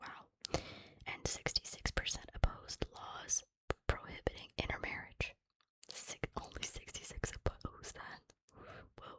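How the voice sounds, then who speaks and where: The voice is whispering. Long pauses come often. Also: fairly slow pace. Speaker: ASMR reader. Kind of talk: casual talk to camera between readings. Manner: whispered, relaxing.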